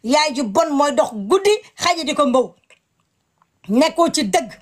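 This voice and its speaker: A woman's voice: high-pitched, lively intonation, measured pace. A woman giving impassioned commentary, indignant and emphatic, repeating her words.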